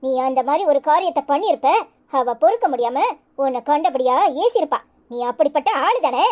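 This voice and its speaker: Voicing a bossy yet caring elder village sister in a cartoon, a woman speaks with a Tirunelveli Tamil accent in a blunt, motherly, stern way. Her voice is high, animated, fairly quick and a little mellow.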